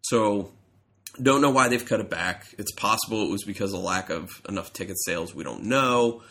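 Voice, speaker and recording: Deep-voiced man with a stuffy cold. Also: animated, normal speed, a bit bright. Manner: rambling, self-correcting storyteller. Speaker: podcast co-host. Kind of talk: casual chat.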